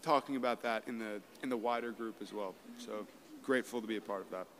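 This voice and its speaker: A man's voice: fairly low pitch, quick pace. A young man from Los Angeles, a guest in a casual radio interview in an open event booth, chatting loosely with many "like"s. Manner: casual, frequent "like" and repeats. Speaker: youth advisory committee guest. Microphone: table mic on a stand with headphones.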